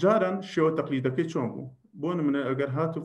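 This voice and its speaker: Speaking with a plain, everyday voice, a man keeps a moderate pace and a fairly high pitch, with ordinary pitch variation. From Iraqi Kurdistan, Sulaymaniyah; Iraqi Kurdistan. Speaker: tech company CEO. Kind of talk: talk; business presentation talk. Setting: live stream presentation. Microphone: webcam.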